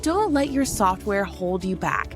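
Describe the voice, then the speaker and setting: A woman reading a polished, upbeat scripted ad for software. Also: mid-range voice, very animated, a little slow. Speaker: ad voice-over. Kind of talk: scripted ad read. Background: music bed.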